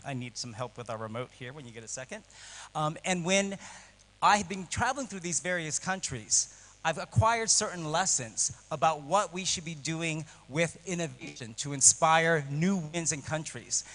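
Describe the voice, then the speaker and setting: A man with an American accent, fairly high pitch, lively intonation, a moderate pace and big swings in loudness. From United States. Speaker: tech executive and former lawyer. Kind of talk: keynote speech. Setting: conference stage with audience.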